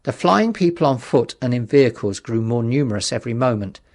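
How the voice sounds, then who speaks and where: A man reads a scripted literary story as an audiobook narrator. His pitch sits in the middle for a male voice. The delivery is measured, with a dramatic storyteller's phrasing. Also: animated, darkish tone.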